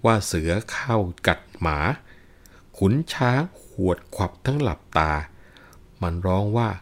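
Male reciter, deep register, slow deliberate delivery, melodic chanting of classical verse with plain spoken asides. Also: expressive. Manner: melodic drawn-out chanting, raised and ringing when reciting. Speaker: reciter and teacher of classical poetry.

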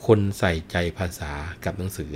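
A middle-aged man telling and explaining a classic tale, unhurried and addressing his listeners politely. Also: a little hiss or hum. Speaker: storyteller. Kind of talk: explanatory storytelling talk.

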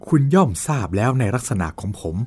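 A man's voice: mid-range voice, sing-song, a little fast, a little mellow, faint music behind, close to an everyday voice. A man playing an earnest, down-on-his-luck suitor who speaks politely and pleadingly.

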